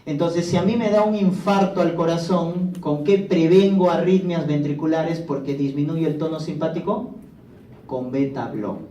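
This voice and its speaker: A man's voice: fairly high pitch, fairly even intonation, moderate pace, warm tone, recorded from a distance. Man lecturing in an echoey classroom. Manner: quizzes students with questions he answers himself. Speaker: pharmacology lecturer.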